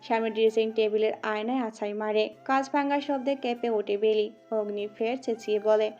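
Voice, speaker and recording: A woman narrating a dramatic audio story with steady, scripted storytelling. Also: fairly high pitch, moderate pace. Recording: muffled audio with background music.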